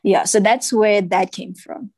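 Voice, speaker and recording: A woman's voice: mid-range voice, a little slow, a little mellow, slightly rough, no echo. Chatty South African woman, dry sound. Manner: chatty storyteller, often adds "you know" and "right". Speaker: children's book author, guest. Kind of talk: casual interview chat.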